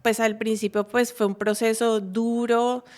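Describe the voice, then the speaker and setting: A woman's voice: on the high side, little pitch movement, a little mellow. Earnest woman sharing a testimony. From Colombia. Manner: halting, many fillers and restarts, earnest. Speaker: guest giving a testimony. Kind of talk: personal faith testimony.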